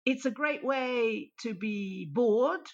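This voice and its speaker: A woman's voice: fairly high pitch, expressive, takes it slowly. A woman language teacher answering interview questions in a thoughtful, explanatory way. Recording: muffled lo-fi line.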